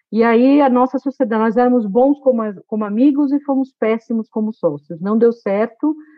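Here is a plain, everyday voice: a woman's, fairly high in pitch with ordinary pitch variation. She keeps a moderate pace. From Brazil, Northeast (Alagoas backlands). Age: 50s. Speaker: social entrepreneur. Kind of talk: interview. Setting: video call.

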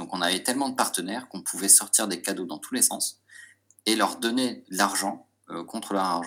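On a very clean recording with a silent background, a man speaks at a moderate pace with fairly even intonation. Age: 20s. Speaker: UX/UI designer and startup founder. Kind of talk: interview. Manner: hesitant with fillers.

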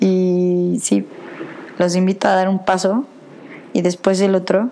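A woman's fairly low voice moves at a very slow pace. Noticeable background noise runs underneath. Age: 20s. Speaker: podcast guest. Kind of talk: casual interview conversation.

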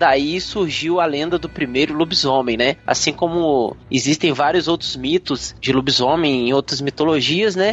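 A man talks with hardly any pauses at a fairly high pitch. He has an unremarkable speaking voice. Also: ordinary pitch variation, moderate pace, very even loudness. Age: 40s. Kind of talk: casual chat.

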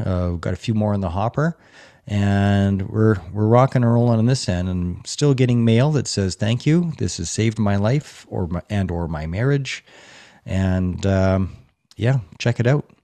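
The tone is relaxed, dark and mellow, with ordinary pitch variation at a moderate pace. The background is quiet. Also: man. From Canada. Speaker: veteran and podcast host. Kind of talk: casual interview chat. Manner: relaxed, conversational, laughs often.

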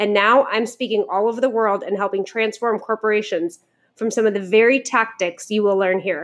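Against a quiet background, a woman with a plain, everyday voice speaks fairly quickly at a fairly high pitch. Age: 30s. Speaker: podcast host and business coach. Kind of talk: motivational monologue; scripted show intro.

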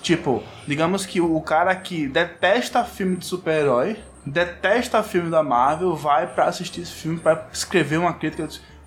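A man with high pitch and ordinary pitch variation, talking at a moderate pace over noticeable background noise. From Brazil. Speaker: podcast co-host. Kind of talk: casual chat.

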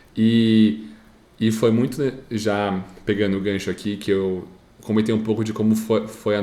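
The man speaks at a moderate pace with a fairly low pitch and monotone, flat intonation. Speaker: podcast host. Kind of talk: casual chat.

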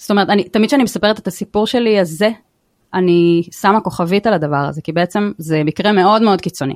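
This woman has a fairly low voice and lively intonation, speaking at a moderate pace with a dry, close sound and no echo. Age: 30s. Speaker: postpartum doula. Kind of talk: interview conversation. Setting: remote recording. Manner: repetitive, halting at times.

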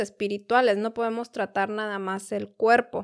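Her voice is fairly high for a woman, with monotone, flat intonation. She speaks at a fairly slow pace in a very clean recording with a silent background. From Mexico City. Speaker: podcast host and habit coach. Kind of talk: casual interview chat.

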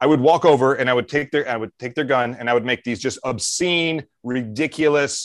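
In an American accent, a man speaks at medium pitch with ordinary pitch variation, the sound dry and close with no echo. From Mississippi, US South. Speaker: former special forces veteran and business founder. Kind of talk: interview conversation.

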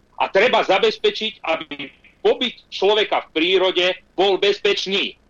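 The voice has a bright, sharp tone, very wide pitch swings and a fairly slow pace. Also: man. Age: 40s. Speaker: hunter and politician. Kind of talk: radio interview. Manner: animated.

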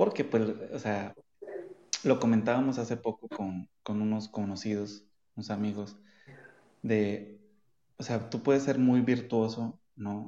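With long, frequent pauses, a man of medium pitch speaks fairly slowly in a dark, mellow tone and flat monotone intonation. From Colombia. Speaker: podcast co-host and music teacher. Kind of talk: interview.

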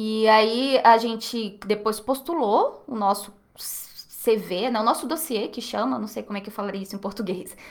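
A woman's fairly high voice shows ordinary pitch variation. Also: moderate pace. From Brazil, Recife (Pernambuco). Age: 30s. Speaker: French teacher. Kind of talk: casual interview.

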